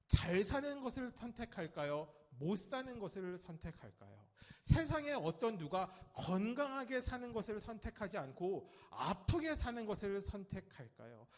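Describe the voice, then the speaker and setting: Man, pastor, Sunday sermon, fairly high voice, lively swings in pitch, acts out quotes, endings trail off quietly. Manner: lively storytelling with acted quotes of nagging adults; talks directly to the congregation and children. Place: church sanctuary.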